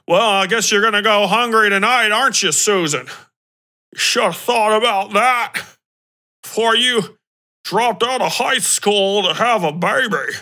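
A man's voice: high voice, unhurried, bright, forceful tone, pitched above the performer's own voice. A man voicing a smug, spiteful restaurant customer who talks down to staff in a mocking, condescending sneer. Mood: smug scolding.

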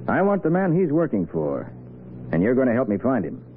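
A man's voice: medium pitch, huge pitch swings, fairly quick. An actor playing a tough, decisive detective in his thirties, speaking firmly in 1940s radio style. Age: 30s. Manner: firm, commanding. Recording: very noisy, tinny old radio recording.

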